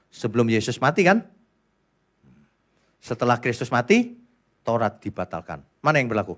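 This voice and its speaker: A middle-aged Indonesian man preaching a sermon as pastor, animated, jumping between loud scolding outbursts and quiet asides full of rhetorical questions. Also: medium pitch.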